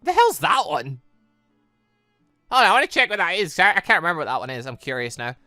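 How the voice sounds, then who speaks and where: A man's voice: on the high side, very animated, fast, sharp tone, no echo, clean studio sound, soft background music. A man giving casual, rambling let's-play commentary on a visual novel, chatting and reading dialogue aloud as the channel's host.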